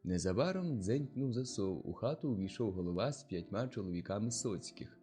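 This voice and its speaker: A man narrating a classic novel as an audiobook in an expressive, steady storytelling manner. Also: fairly low pitch, a little fast, soft background music.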